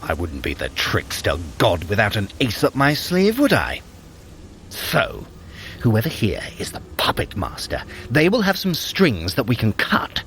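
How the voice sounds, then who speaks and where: A man's voice: on the low side, huge pitch swings, measured pace, a bit bright, a little hiss or hum, exaggerated voice. A man playing a sly, theatrical Norse trickster god in an audio adventure, wry and flamboyant, with elaborate formal wording. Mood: sly, measured. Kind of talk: dramatic audio adventure acting.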